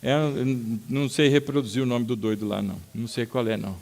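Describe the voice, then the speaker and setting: A pastor with a Brazilian Portuguese accent and a mid-range, steady voice preaches quickly. He tells stories punctuated by sudden loud acted-out outbursts and addresses the congregation as brother.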